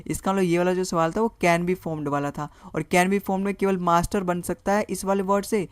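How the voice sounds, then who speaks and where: A man's voice: high voice, level tone, moderate pace, smooth, no room sound. A man teaching a reasoning lesson for exam prep. He works through each answer option aloud, repeating words and checking in with his students. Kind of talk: online exam-prep lesson, Hindi mixed with English.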